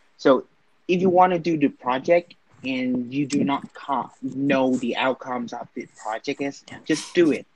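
A man speaks with a Vietnamese accent. His pitch is fairly high, with ordinary variation. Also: fairly slow pace. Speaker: podcast co-host. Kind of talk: casual chat. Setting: studio.

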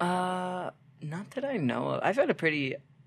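A woman's voice with vocal fry at a fairly slow pace. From rural Wisconsin. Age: 20s. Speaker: comedian. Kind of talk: casual chat.

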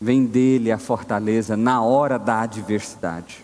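A man with a dark, mellow tone speaks at a very slow pace and with fairly even intonation. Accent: Brazilian. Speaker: pastor. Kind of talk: sermon. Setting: church. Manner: earnest, preaching cadence, rhetorical questions.

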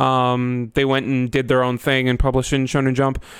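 Speech comes at a very fast pace. The recording is very clean, with a silent background. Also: man. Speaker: anime podcast co-host. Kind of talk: casual chat. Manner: stumbling at times.

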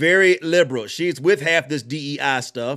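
With a Southern US accent, a man with a fairly high pitch uses an animated tone and lively intonation at a fairly slow pace in a very clean recording with a silent background. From US South, Georgia. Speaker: political podcast host. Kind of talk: political commentary livestream.

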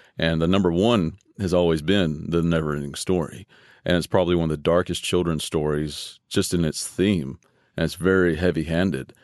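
A man with a very deep, low voice and a Texan accent, fairly quick in pace and fairly even in intonation, against a quiet background. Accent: Texan Southern US. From East Texas, US. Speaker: filmmaker and voice actor. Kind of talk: casual chat.

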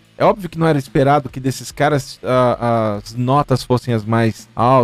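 Over music in the background, a man talks at a moderate pace, the sound dry and close with no echo. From São Paulo state interior, Taubaté. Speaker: podcast host. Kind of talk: casual interview chat.

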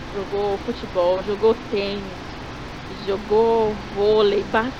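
A woman's voice amid noticeable background noise. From Brazil, São Paulo city. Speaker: horror fiction writer and RPG player. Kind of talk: casual chat.

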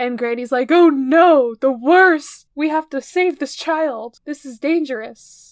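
A woman talks at a fairly slow pace. Her pitch shows ordinary variation. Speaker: podcast host. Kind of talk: casual chat.

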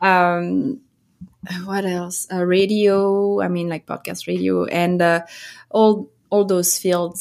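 With a French accent, a woman speaks at a medium pitch. Her pace is very slow. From French-speaking Switzerland. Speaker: voice actor. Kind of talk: interview. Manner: animated.

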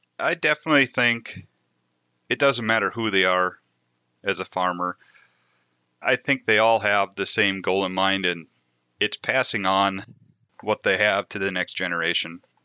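A man with an American accent speaks at a moderate pace, leaving long, frequent pauses. His pitch is fairly low and varies in an ordinary way. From US Upper Midwest, Red River Valley near Fargo-Moorhead, Minnesota side. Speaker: agronomist. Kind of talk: interview.

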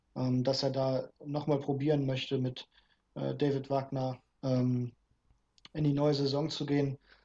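A man speaks at a medium pitch in a dark, mellow, somewhat breathy tone, his intonation monotone and flat. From Germany, Düsseldorf. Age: 20s. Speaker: football fan. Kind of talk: interview.

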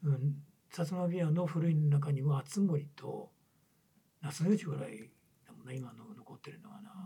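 The tone is dark, mellow and somewhat breathy, with ordinary pitch variation. Delivery moves at a moderate pace. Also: man. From Kumamoto, Japan. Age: 60s. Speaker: satsuma biwa musician. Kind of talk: interview.

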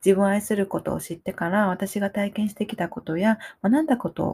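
A woman talks at a fairly quick pace in a fairly high, somewhat breathy voice with a dark, mellow tone, the sound dry and close with no echo. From Japan, Kyoto. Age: 20s. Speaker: self-love coach. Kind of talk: solo podcast monologue.

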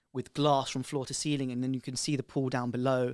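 Delivered in a flat monotone with a London accent, the voice comes through a very clean recording with a silent background and a dry, close sound with no echo. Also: man. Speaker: luxury real estate advisor. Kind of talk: casual chat. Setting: studio.

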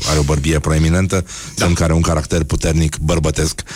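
Very deep, low male voice at a moderate pace amid noticeable background noise. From Sălaj county, Romania. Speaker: morning radio show host. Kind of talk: casual chat.

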